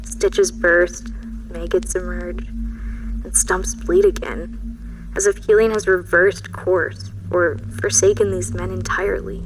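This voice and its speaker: A woman playing a haunted train passenger in an audio drama, recounting her dread in a measured, brooding, literary way with lingering pauses. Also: fairly low pitch, level tone, a little hiss or hum, low-quality recording. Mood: somber, haunted. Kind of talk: scripted audio drama monologue. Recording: music behind the voice.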